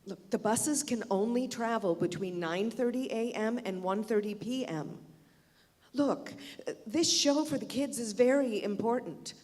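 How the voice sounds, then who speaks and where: A woman's voice: a little high, darkish tone, close to an everyday voice. A woman playing a persuasive, hopeful yet frustrated arts education director in an earnest, emphatic stage monologue. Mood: coaxing, persuasive. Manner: earnest, emphatic, deliberate phrasing. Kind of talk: theatrical monologue, dramatic stage reading. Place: reverberant indoor hall at a live reading. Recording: echoey hall, music behind.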